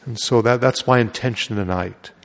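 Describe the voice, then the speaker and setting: A man's voice: mid-range voice, normal speed. A man speaking as a Catholic priest, giving a Gospel reading and homily in a large church with cathedral-like echo. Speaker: Catholic priest, retreat preacher. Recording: cathedral-like echo, long hall reverb.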